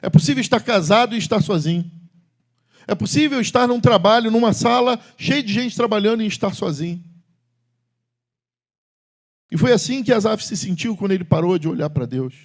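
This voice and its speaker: A middle-aged man preaching a sermon as pastor in a church, swinging between loud emphatic calls and low confiding talk to the congregation. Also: expressive, a little fast, pauses often. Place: church sanctuary.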